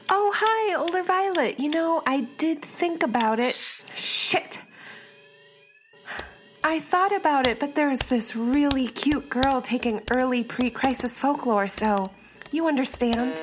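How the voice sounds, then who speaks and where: A young scientist stranded alone in space, her voice a touch high. She mutters sardonic asides to herself, sometimes dropping to a whisper, in a sci-fi radio play. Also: noisy background. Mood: sarcastic. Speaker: stranded ship biologist. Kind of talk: audio drama acting.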